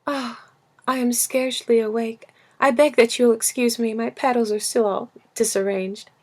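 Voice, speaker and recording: A woman's voice: fairly high pitch, steady tone, moderate pace, a little mellow, voice pushed up, lightly acted. A woman voicing a vain, coquettish female flower in a storybook reading, with a languid, affected, coy manner. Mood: sleepy, coy. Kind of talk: storybook character voice in audiobook reading.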